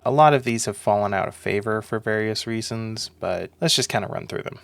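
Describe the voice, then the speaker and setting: Sarcastic man with a sore, gravelly throat. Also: lowish voice, brisk, no echo. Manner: dry, sarcastic, swearing. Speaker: video essay host. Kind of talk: sarcastic commentary monologue.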